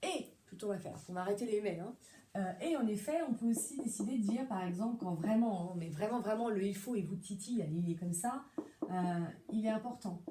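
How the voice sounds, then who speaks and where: A woman's voice: medium pitch, a little fast, mellow, slight background noise. A middle-aged woman therapist talking casually about needs and emotions, chatty and rambling with many fillers and restarts. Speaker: psychotherapist. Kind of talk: casual monologue.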